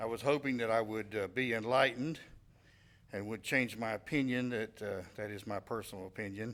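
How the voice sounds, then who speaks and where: A man in a normal speaking voice, moderate pace and fairly even intonation, on a very clean recording with a silent background. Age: 60s. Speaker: citizen speaker at public meeting. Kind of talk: public comment. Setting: county commission meeting.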